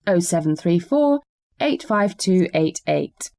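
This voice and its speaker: A woman's voice: on the low side, sing-song, takes it slowly, vocal fry, dark tone, no echo, clean studio sound. Polite woman reading back details. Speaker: shop clerk in a scripted dialogue. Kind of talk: scripted listening-exercise dialogue.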